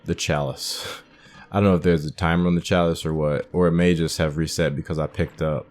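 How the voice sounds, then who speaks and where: A man's voice: rumbling low, steady tone, a little fast, a little mellow. A man giving casual commentary as he plays a video game, musing and thinking aloud as he works things out. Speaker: gamer hosting a playthrough.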